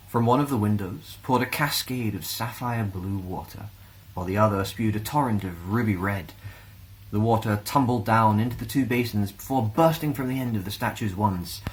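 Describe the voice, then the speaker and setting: A man with a Scottish accent reading a children's fantasy story aloud in an expressive storytelling style. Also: mid-range voice, poor audio. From Glasgow, Scotland.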